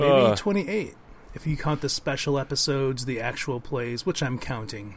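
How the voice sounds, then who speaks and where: This man has a plain, everyday voice of medium pitch, talking at a moderate pace with ordinary pitch variation. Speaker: podcast co-host.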